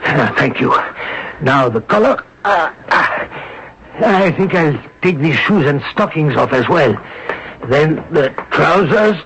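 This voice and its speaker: An actor in a radio drama playing a dignified, wry Catholic monseigneur who speaks with measured authority and gentle humour. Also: male voice, fairly high pitch, animated, slight background noise, exaggerated voice. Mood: solemn, dignified. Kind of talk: old radio drama acting. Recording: muffled old radio broadcast recording.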